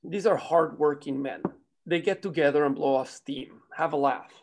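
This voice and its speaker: A man playing an unbothered small-town mayor in a script table read, casual, evasive and deadpan. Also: a little high, normal speed.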